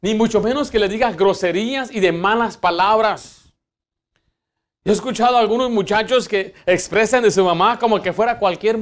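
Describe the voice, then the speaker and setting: A man, a pastor preaching a sermon in church and putting earnest rhetorical questions to his congregation. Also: sits high. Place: church sanctuary.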